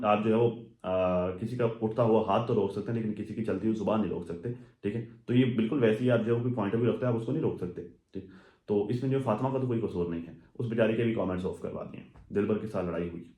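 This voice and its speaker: Low-voiced man rambling commentary. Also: fast, mellow. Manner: chatty, rambling with many fillers and asides. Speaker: social media commentator. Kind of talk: casual commentary vlog. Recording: echoey room.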